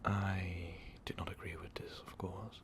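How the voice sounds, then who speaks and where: A man playing an ancient, brooding vampire overlord in an intimate ASMR roleplay, speaking in a weary, halting, breathy whisper. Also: level tone, slight background noise. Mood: somber, reminiscing. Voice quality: breathy, gravelly low whisper. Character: ancient, brooding male vampire overlord, tormented former rebel.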